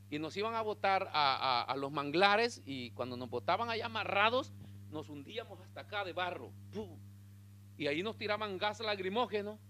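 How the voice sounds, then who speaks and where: A man preaching a sermon as pastor, telling a story in an animated way and calling his listeners brother. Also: sits high, a little hiss or hum.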